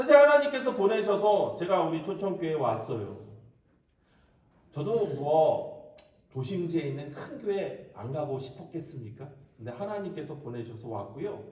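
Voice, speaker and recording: A man's high-pitched voice with a slight Chungcheong accent, very wide pitch swings, big jumps in loudness, and audible echo from the room. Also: moderate pace. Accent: slight Chungcheong dialect intonation. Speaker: pastor. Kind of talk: sermon. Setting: church. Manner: calm, gentle delivery.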